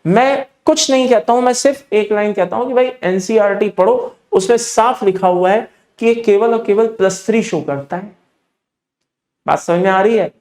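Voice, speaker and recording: A man's voice: high-pitched, moderate pace, a little mellow, roomy sound. A man with an Indian accent teaching chemistry for exam preparation, explaining emphatically, repeating his points and checking in with students. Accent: Indian English. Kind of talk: exam-prep lecture.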